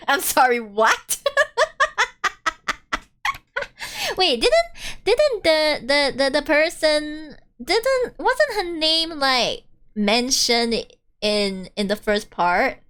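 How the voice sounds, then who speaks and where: A woman's voice: sits high, sing-song, slow, a bit bright. A woman giving casual, meandering let's-play commentary in a giggly manner. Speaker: gamer playing and voicing the dialogue. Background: game music.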